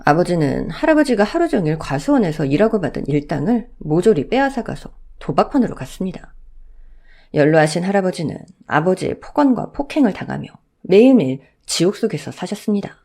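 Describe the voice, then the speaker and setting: A woman's voice: on the low side, very animated, brisk, dark tone. A woman narrating a scripted first-person life story in an earnest, reflective way.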